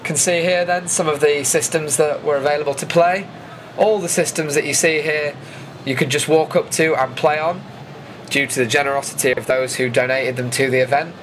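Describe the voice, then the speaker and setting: A man's voice: on the high side, steady tone, normal speed, fairly bright tone, a little hiss or hum, poor audio. A man giving a casual, dryly jokey voice-over commentary as the host of an event video.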